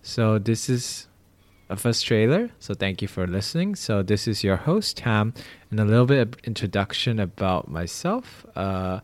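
A man's voice: lowish voice, very animated, moderate pace, dry recording. A young man from Malaysia hosting a casual podcast, rambling with lots of fillers. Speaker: podcast host. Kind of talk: casual chat.

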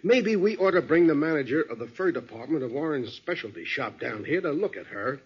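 An actor playing an earnest, matter-of-fact police sergeant with colloquial talk, in 1940s radio style. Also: male voice, a little high, expressive, brisk, breathy edge. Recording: noisy, muffled old radio recording.

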